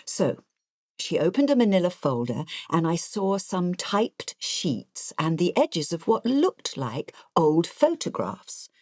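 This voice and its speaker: Chatty old english lady telling her story for an audiobook, lowish voice, goes up and down a lot, rambly and confiding. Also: big pitch swings, slow pace, a little mellow, no echo, clean studio sound, exaggerated voice. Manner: confiding, digressive, matter-of-fact. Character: chatty, artless elderly retired English nurse, diarist. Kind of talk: audiobook first-person narration.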